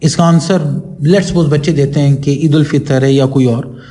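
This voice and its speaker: A man with a Pakistani accent walks teachers through a lesson, reading English lines slowly and carefully. His voice sits a little high for a man but has a mellow, dark tone. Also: fairly even intonation, low-quality recording. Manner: slow, deliberate when reading English lines aloud. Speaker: teacher trainer. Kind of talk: lecture to teachers.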